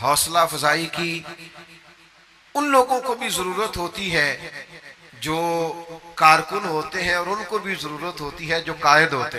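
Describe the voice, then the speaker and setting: Noticeable background noise accompanies a man's high voice, its pitch varying in an ordinary way. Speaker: Islamic preacher. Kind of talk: Islamic sermon (bayan). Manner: emotional, earnest, preaching.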